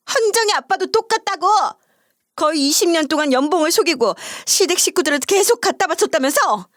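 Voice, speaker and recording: A woman acts out a wronged wife in a rage, shrill and tearful, her voice rising high. Her pitch leaps widely, and the recording is close and dry. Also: no room sound. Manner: shrill yelling.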